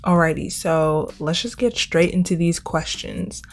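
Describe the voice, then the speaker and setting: A twenty-year-old woman hosts a casual solo podcast in a low, slightly slow voice. She chats informally and repeats words for emphasis.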